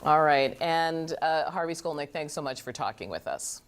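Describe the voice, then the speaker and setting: A woman's voice: low-pitched, animated, moderate pace. A woman working as a news anchor, putting questions to a guest in a live broadcast interview.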